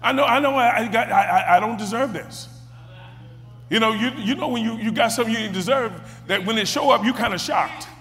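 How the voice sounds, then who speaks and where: A man preaching a sermon, who stumbles over and repeats words and builds up to shouted exclamations. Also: extremely high pitch, fairly quick, big-room sound, faint music behind.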